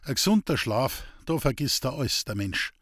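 A man's voice: medium pitch, sing-song, moderate pace, fairly bright tone, dry recording, clean studio sound. A man playing a brusque young woodsman. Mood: weary. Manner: brusque, firm, awkwardly cheerful. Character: sturdy young forest worker, brusque but warm.

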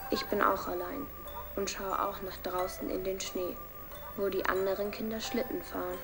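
A woman voicing a lonely girl with an incurable illness, speaking quietly and plaintively in a radio play. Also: mid-range voice, little pitch movement, normal speed, natural voice. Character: lonely terminally ill girl on a TV screen. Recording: music underneath.

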